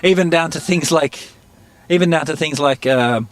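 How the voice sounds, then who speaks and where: A man telling stories in an interview, halting and searching for words, often laughing. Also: a little high, no echo. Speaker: interviewee, musician. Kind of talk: casual storytelling interview.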